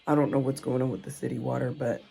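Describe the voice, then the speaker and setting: A woman with a raspy, hoarse voice from a sore throat, rambling and thinking aloud in a casual vlog at home, filmed on a phone. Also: rumbling low, level tone, fast talker, mellow, a little hiss or hum. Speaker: vlogger and mom entrepreneur. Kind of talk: casual talking-to-camera vlog. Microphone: phone on a tripod. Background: faint kids' show audio.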